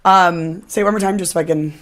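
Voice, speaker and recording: A young woman hosts a casual podcast conversation. Her voice sits a little lower than average, and she speaks informally and effusively. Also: fairly even intonation, quick pace. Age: young adult. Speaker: podcast host. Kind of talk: casual chat.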